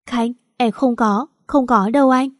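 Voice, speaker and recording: Lady reading a young woman crying, pleading, broken voice, a bit higher. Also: unhurried, dry recording, studio quality, lightly acted.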